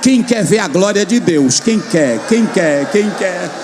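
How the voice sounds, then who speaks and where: In a big hall whose long reverb follows each line, a male pastor delivers a fiery sermon in a very high voice that jumps around as he shouts and chants. His intonation is lively and he takes it slowly, drawing shouted responses from the congregation in a sing-song call-and-response style.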